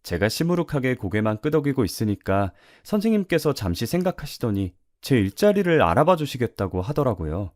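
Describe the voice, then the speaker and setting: A man reading a first-person life story aloud in a steady storytelling manner. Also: mid-range voice, fairly quick, few pauses, no room sound, clean studio sound. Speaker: story reader.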